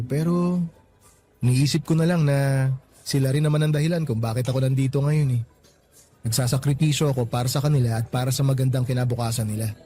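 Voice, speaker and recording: A man's voice: mid-range voice, warm tone, close to an everyday voice. A man playing a casual, caring young coworker in a radio drama, talking in a soothing, everyday way. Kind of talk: Tagalog radio drama acting.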